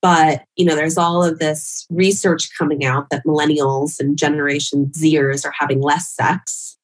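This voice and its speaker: A woman in her thirties giving thoughtful, measured answers in a conversational interview from home. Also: sits low, level tone, rough recording. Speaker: psychologist guest, relationship podcaster. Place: home room, indoors. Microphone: video call, wearing headphones.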